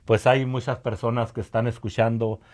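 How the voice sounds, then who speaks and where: A man's voice: mid-range voice, flat delivery, normal speed, darkish tone. A man hosting a Christian radio broadcast, speaking devotionally and punctuating his sentences with amen. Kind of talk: devotional radio introduction with prayer.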